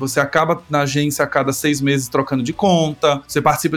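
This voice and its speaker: Fairly quick delivery with fairly even intonation over music in the background. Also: man. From Brazil, Aracaju (Sergipe, Northeast). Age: 30s. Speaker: branding specialist. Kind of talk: casual chat.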